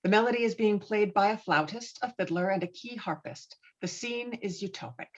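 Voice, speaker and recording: A woman's voice: medium pitch, brisk. A woman reading stage directions as narrator of a screenplay table read, on slightly muffled online call audio.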